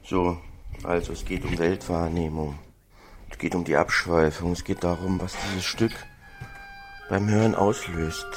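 Low, creaky man musing in short phrases. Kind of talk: reflective personal monologue in a radio piece.

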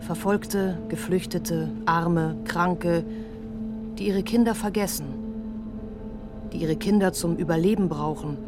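Sorrowful bitter daughter of survivors, lowish voice, grave broken phrases, radio drama w music behind. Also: female voice, slow pace, long pauses. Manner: fragmented short phrases, grave delivery. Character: grieving adult child of Holocaust survivors, sorrowful and bitter. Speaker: radio play performer. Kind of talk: literary radio drama monologue.

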